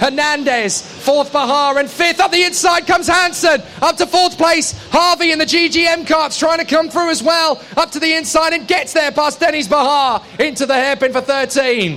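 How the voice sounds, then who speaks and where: With noticeable background noise behind him, a man uses a raised, projected voice at an extremely high pitch, with ordinary pitch variation and a moderate pace. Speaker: motorsport commentator. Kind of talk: live commentary. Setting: trackside at a kart circuit. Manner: loud; animated.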